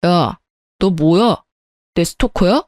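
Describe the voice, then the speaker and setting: A woman's voice: fairly low pitch, lively intonation, slow pace, darkish tone, no room sound, studio quality. A woman voicing a dismissive, irritable husband with curt, scornful retorts in a scripted story reading.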